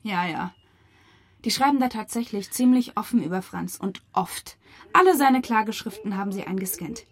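An actress playing an angry, grieving environmental activist with an accusing, sarcastic manner in a radio crime drama. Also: female voice, medium pitch, expressive, normal speed.

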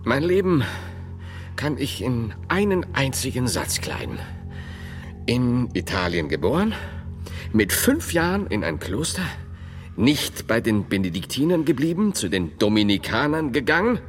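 An actor playing a solemn, learned medieval monk in a radio play, speaking in a formal, pondering and deliberate manner. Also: male voice, mid-range voice, huge pitch swings, slight background noise. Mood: earnest.

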